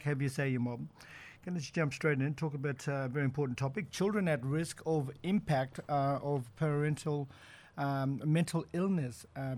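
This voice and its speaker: A man's voice: medium pitch, darkish tone. A man with an Aboriginal Australian accent presenting live talkback radio in a colloquial, matey way. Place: radio studio.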